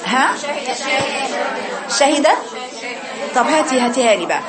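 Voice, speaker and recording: Egyptian woman, recitation teacher in a classroom, high-pitched, corrects students, models slow chanted syllables. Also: very animated, a loud crowd. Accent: Egyptian Arabic. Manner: corrective, repeatedly demonstrating drawn-out chanted syllables.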